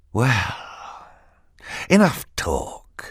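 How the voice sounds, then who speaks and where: A man puts on a character voice. It is raspy and sits at a medium pitch. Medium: read story. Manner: menacing, haughty.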